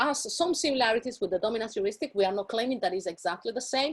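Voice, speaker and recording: A woman's high-pitched voice moves with lively intonation. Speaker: economics researcher presenting a paper. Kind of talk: conference presentation. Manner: fast; hesitant, many fillers.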